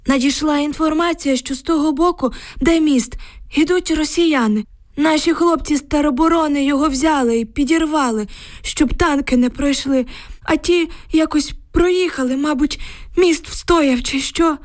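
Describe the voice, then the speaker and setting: A woman's voice: high-pitched, normal speed, pitched above the performer's own voice, lightly acted. A woman voicing a frightened village man of about seventy, who tells his news in a lamenting, emotional way.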